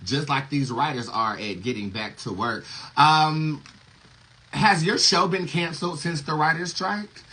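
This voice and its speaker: A man's voice: fairly high pitch, unhurried, sharp tone. A man hosting an online show, chatting casually to his viewers with opinionated, sassy, emphatic and often profane commentary. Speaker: host of an online tarot reading show. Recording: very noisy recording with clicks.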